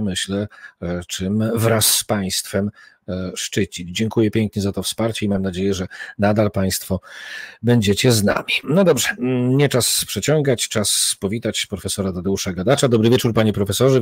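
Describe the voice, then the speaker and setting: A man's voice: on the low side, breathy edge, no room sound, studio quality. A man in his forties hosting a political talk show from home, chatty, with many fillers and restarts, into a desk mic. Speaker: host. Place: home room, indoors. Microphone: studio mic on desk, webcam.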